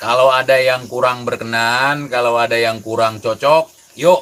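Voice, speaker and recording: Over noticeable background noise, a man with a medium pitch speaks with an Aceh accent. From Aceh, Indonesia. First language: Acehnese (speaking Indonesian). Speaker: content creator. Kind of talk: warning message. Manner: casual.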